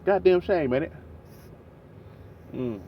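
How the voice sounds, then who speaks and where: A man's voice: on the high side, lively intonation, slow, highs cut off, a little hiss or hum. A man with a chest cold, coughing now and then, talking loosely and casually in a vlog. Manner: loose, chatty, slangy. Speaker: vlogger; truck driver.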